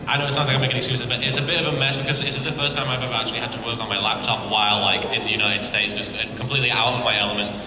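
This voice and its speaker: A man's voice: medium pitch, level tone, very fast, hardly any pauses. A man talking casually and a bit hesitantly as a panelist at a convention Q&A, somewhat self-deprecating. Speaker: convention panelist, web series creator. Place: large convention panel hall. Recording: echoey hall from far off, loud crowd noise.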